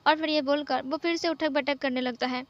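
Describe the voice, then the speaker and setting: Woman storyteller, high voice, steady casual narration, dull lo-fi recording. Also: a little fast. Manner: plain, steady retelling.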